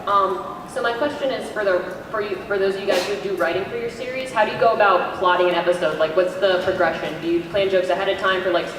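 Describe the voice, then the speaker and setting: High-pitched man in a very echoey hall. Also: quick pace, few pauses. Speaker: audience member asking a question. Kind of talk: informal question to a panel. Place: convention panel room. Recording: very echoey hall, distant, clearly noisy.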